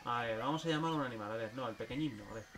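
A man streaming a zoo game, chatting casually and coaxing the animals in a playful, excitable way. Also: medium pitch, racing, recorded from a distance, a little hiss or hum. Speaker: gameplay streamer. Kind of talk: casual gameplay commentary.

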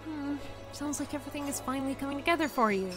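A woman in her twenties playing a lively, teasing young influencer friend in an audio drama, with music under her voice. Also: high voice, fast, lightly acted. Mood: chatty.

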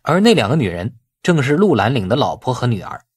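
A man reading a novel aloud as expressive scripted narration. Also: mid-range voice, brisk, slightly rough, no room sound. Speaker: audiobook narrator.

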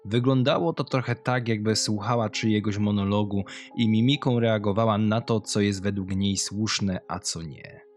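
A man's voice: fairly even intonation, moderate pace. A man reading a scripted horror story as a narrator. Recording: low music behind, compressed audio. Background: music.

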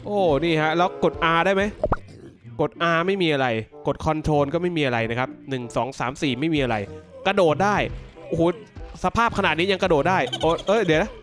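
A man speaks in a notably high voice over clearly audible music. He hosts a gaming video with excited commentary. His talk is full of exclamations as he reacts out loud to what happens in the game. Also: normal speed. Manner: exclamatory, reacting aloud to the action.

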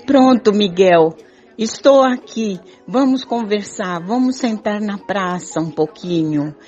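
A woman's voice: mid-range voice, lively intonation, slow pace, a little mellow. An older woman playing a coaxing, self-assured mistress in an amateur radio soap opera. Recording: muffled lo-fi audio with music.

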